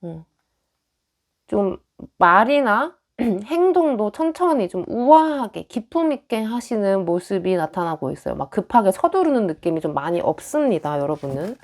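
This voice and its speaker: Lively young woman reading tarot. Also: mid-range voice, moderate pace. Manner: chatty, acts out quoted lines. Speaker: tarot reader.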